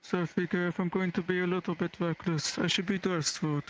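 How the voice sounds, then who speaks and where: A man playing a polite, helpful armored adventurer in a fantasy roleplay, speaking in measured phrases. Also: high-pitched, level tone, fairly bright tone, a little hiss or hum, poor audio. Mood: cheerful, helpful. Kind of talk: improvised fantasy roleplay in character.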